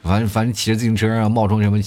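A man in his thirties reading out viewer comments in casual chat, often shouting quoted lines in exaggerated voices. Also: lowish voice, little pitch movement, racing. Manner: chatty, acts out quoted lines loudly.

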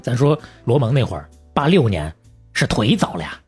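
A man with a Beijing accent hosting a podcast, telling stories in a lively, colloquial, folksy conversational way. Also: medium pitch, normal speed, slightly rough, faint music behind. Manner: colloquial and folksy, with proverbs and acted-out asides. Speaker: podcast host.

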